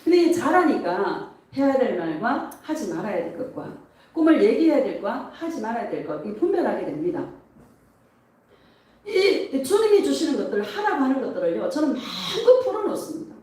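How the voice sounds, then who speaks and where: Woman pastor preaching, mellow voice with lively swings in pitch, big echoey hall, mic a bit far. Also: fairly quick. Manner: emotional, animated preaching with laughs. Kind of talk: sermon. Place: church sanctuary.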